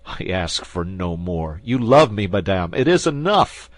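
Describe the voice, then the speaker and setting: A man's voice: low voice, big pitch swings, measured pace, dry recording. A man reading an audiobook, voicing a passionate, reckless nobleman with fervent delivery.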